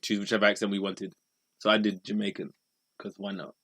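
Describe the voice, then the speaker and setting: A man's voice: lowish voice, level tone, fairly quick, a bit bright. A young man who trained as an actor, chatting casually in a laid-back way on a podcast and laughing often. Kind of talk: casual chat.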